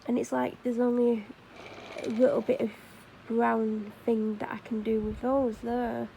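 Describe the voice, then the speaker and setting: A woman's voice: on the high side, flat delivery, a little slow, creaky, dark tone, a little hiss or hum, poor audio. A woman with a Mancunian accent chatting casually to camera while doing her makeup, rambling with fillers and self-corrections. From Manchester, England. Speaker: vlogger.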